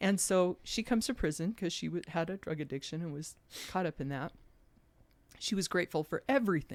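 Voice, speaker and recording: Recorded very clean with a silent background and a dry, close sound with no echo, a woman with a plain, everyday voice speaks fairly quickly at a fairly low pitch, her intonation lively. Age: 50s. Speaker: former inmate and recovering addict. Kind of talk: interview testimony.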